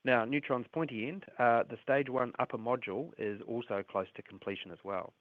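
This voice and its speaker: A man presenting company results as an executive on an earnings call, reading prepared remarks in a measured way. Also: mid-range voice. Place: conference call relayed on a livestream. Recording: roomy, phone-like earnings call line.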